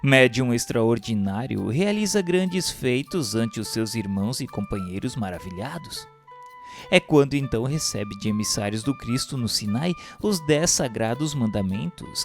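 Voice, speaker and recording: A Brazilian man narrates in a mid-pitched voice, solemn and formal. He delivers the scripted religious text in a declamatory way, like an audiobook reading, with instrumental music behind him. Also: expressive, normal speed.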